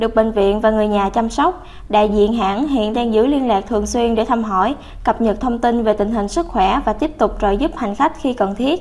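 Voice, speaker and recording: A woman's ordinary speaking voice, fairly high in pitch, at a moderate pace with ordinary pitch variation. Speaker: news presenter. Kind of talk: news reading.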